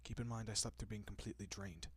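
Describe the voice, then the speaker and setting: Here the same courteous vampire gentleman, played by a man in an intimate audio roleplay, talks fast with fairly even intonation. The recording is dry and his low, husky voice stays soft and breathy, frequently falling to a whisper. Coaxing and tender, he reassures with old-fashioned politeness and a subtly possessive warmth.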